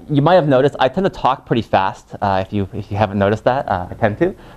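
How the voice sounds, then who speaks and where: A man's medium-pitched voice, very fast, with lively intonation. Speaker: university lecturer. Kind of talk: lecture. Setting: classroom.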